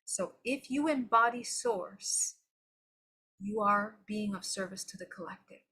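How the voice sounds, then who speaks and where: A woman's voice: mid-range voice, measured pace, sharp tone, husky, rough recording. A woman giving an unscripted, live-streamed spiritual teaching to viewers. She speaks in an earnest, reflective way and often checks in with "okay?". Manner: loose and unscripted, with restarts.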